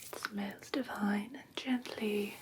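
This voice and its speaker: A woman's voice: medium pitch, fairly even intonation, a little hiss or hum, lightly acted. Whispering female vampire teacher played by a woman. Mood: gentle, instructive. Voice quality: breathy whisper. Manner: soft, patient, unhurried instructing. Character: female vampire teacher, gentle, instructing a human care class. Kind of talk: whispered ASMR roleplay lesson.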